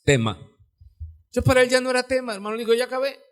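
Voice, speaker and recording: Mexican pastor guy preaching in church, highish voice, loud bursts then low asides. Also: big pitch swings, brisk. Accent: Mexican Spanish. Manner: fervent preaching, sudden high shouts and low asides. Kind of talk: live church sermon. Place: church sanctuary.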